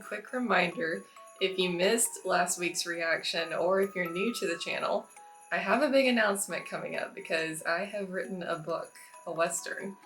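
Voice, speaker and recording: A woman's voice: on the low side, bright, forceful tone, low-quality recording. A young woman with a stuffy, nasal cold, chatting upbeat to camera as a movie reaction host. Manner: chatty, upbeat, laughs often. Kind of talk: casual chat to camera.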